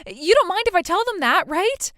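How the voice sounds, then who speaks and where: Woman as entitled bride, whiny and self-pitying, high, dry sound. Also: big pitch swings, normal speed, a bit bright, no room sound, exaggerated voice. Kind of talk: scripted drama dialogue.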